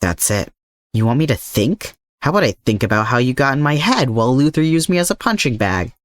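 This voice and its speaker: Guy doing a defiant young hero prisoner, snarky and worked up, raised pitch, audiobook style. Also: sing-song, fairly quick, slight background noise, natural voice. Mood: angry, accusing. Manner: snarky, agitated. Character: defiant, sarcastic young male hero held captive.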